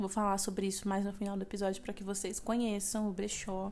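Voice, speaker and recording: The voice has a monotone, flat intonation. Music plays in the background, and audible room echo is present. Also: woman. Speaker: podcast host. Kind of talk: casual monologue. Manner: fast.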